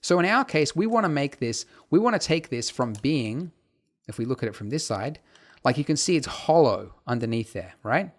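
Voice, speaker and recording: Chatty man giving a software tutorial. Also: mid-range voice, animated, moderate pace. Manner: chatty, filler-heavy, rambling asides. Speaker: tutorial instructor. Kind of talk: casual screen-recorded software tutorial.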